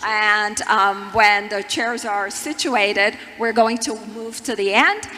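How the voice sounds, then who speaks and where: A woman's voice: mid-range voice, takes it slowly, sharp tone. A woman from Turkey moderating an onstage conference chat, eager and prodding, stumbling over restarts. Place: large conference hall stage. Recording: reverberant hall with audience noise.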